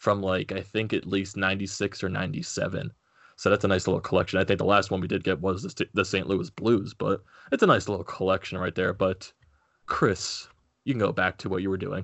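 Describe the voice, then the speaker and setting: A man's very deep, low voice with an American accent, fairly even intonation and a fairly quick pace. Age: 20s. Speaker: hockey podcast host. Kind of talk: casual chat.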